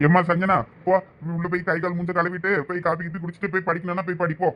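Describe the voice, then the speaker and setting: A man with a Thoothukudi Tamil accent voicing a firm middle-aged husband and father who calmly mediates in a cartoon family drama. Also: high-pitched, fast talker. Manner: firm, calming authority.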